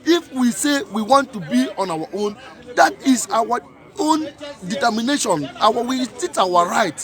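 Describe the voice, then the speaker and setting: A man's voice: extremely high pitch, expressive, measured pace, fairly bright tone. A man giving an impassioned protest speech outdoors, repeating his points with emphatic rhetorical questions. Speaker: protest speaker.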